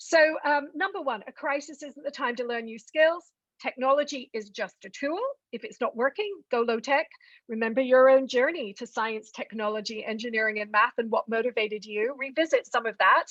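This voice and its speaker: A woman speaks in an enthusiastic tone at a fairly quick pace, her pitch high with ordinary variation and big swings in loudness, in a dry, close sound with no echo. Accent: British. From England, then Canada from age 14. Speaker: biology professor. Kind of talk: webinar presentation.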